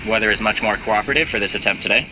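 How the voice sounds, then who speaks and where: A man's voice: on the low side, rapid-fire. A man giving live, explanatory commentary as host of a rocket launch webcast. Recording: clear background noise.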